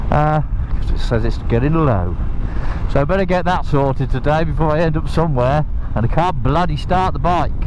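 A man speaks at a fairly quick pace with ordinary pitch variation. The sound is dry with no echo, though noticeable background noise is present. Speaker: motorcycle vlogger. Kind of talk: casual vlog chat. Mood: cheerful, enthusiastic. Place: motorbike. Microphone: helmet.

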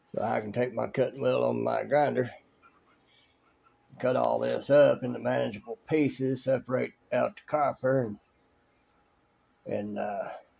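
Long, frequent pauses from a man at a moderate pace. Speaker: hobby vlogger. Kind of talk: casual vlog chat. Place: home room. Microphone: phone near.

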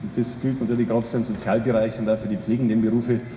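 Talking very fast with fairly even intonation, a man is heard amid audible room echo and light background noise. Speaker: local politician. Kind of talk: public speech. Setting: outdoor rally. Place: street. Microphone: podium.

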